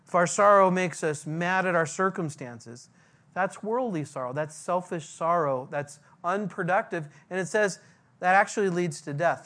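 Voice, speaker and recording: Guy pastor preaching real slow, asks the church lots of questions, unhurried. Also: high voice, sharp tone. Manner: slow, deliberate teaching with rhetorical questions. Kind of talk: verse-by-verse sermon.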